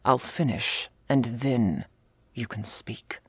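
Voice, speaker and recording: A woman voicing a tough but secretly tender female half-orc commander in a slow, confessional ASMR role-play, with a husky, gravelly, breathy voice. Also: rumbling low, no room sound, full character voice. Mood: tender, reflective. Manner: slow confessional delivery, often dropping in a soft voice.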